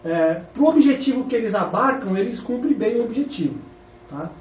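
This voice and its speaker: A Brazilian man preaches to his congregation, and his voice runs high and swings a lot in pitch. He keeps asking questions and answering them himself. The sound is muffled and roomy, picked up from a distance with faint ambience behind. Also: normal speed, a little hiss or hum. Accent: Brazilian Portuguese. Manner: animated, rhetorical questions to the congregation. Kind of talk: sermon. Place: church hall. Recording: echoey, distant, dull church recording.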